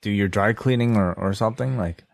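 A man's voice: on the low side, a little fast, vocal fry, no room sound. A man co-hosting a podcast, chatting casually and asking teasing questions. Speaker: podcast co-host. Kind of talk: casual chat.

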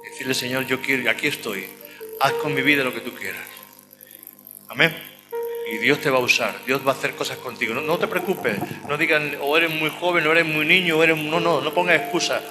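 A man's voice: fairly high pitch, brisk, in a large hall, over music. A man from preaching a fervent sermon and closing prayer, repeating phrases and saying "amén" often. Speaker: lay preacher and cell group leader.

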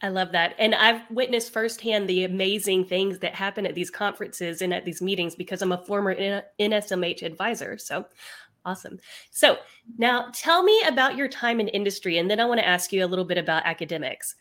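A woman's voice: medium pitch, fairly quick, fairly bright tone. A woman hosting a podcast interview, upbeat and enthusiastic as she asks her guest questions. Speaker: podcast host.

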